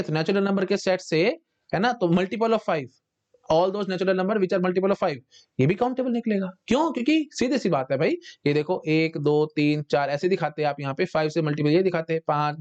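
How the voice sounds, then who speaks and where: Higher-pitched male teacher, lo-fi recording. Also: a little mellow. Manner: repetitive, checks in with "है ना?" and "ठीक है"; dictates definitions slowly, word by word. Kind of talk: recorded math lecture in Hindi-English mix. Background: dogs barking outside.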